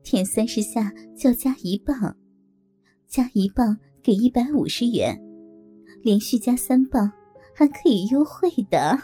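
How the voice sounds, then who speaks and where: A woman's voice: on the high side, lively intonation, unhurried, mellow, husky, soft background music. A woman voicing a brazen, bossy older woman who teases, giggles and coaxes. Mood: flirty teasing. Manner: teasing, giggling, coaxing. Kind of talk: audio story reading.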